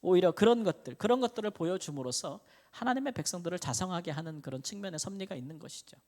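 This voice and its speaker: A man's voice: sits high, animated, fast, a little mellow. A male pastor giving a midweek Bible lecture in a conversational way. He asks the congregation questions and answers them himself. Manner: acts out quoted speech with a raised voice.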